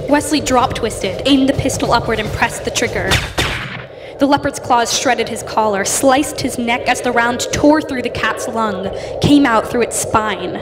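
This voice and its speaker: High-voiced teenage girl narrating. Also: measured pace, music in the background. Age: teens. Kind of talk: scripted dramatic storytelling for a live radio play. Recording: very noisy live theatre recording.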